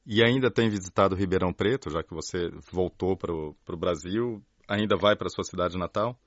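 A man hosting a radio interview, asking questions calmly and in a measured way, then closing the segment. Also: low-pitched, no echo, dull audio. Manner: calm, measured, short prompts. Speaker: radio host.

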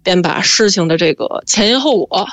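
A woman telling a spooky family story in a lively, chatty way, drawing out her fillers. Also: medium pitch, normal speed, no room sound. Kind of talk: casual spoken storytelling.

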